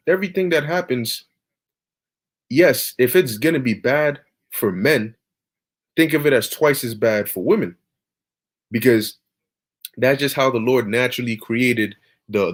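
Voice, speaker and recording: A man preaching on scripture over a video call, emphatic and peppered with "all right" and "okay". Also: medium pitch.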